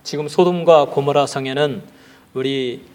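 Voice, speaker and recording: A man's voice: mid-range voice, steady tone, a little slow, darkish tone, lightly acted. A man voicing Abraham as an old patriarch pleading and bargaining, in a raised, earnest voice.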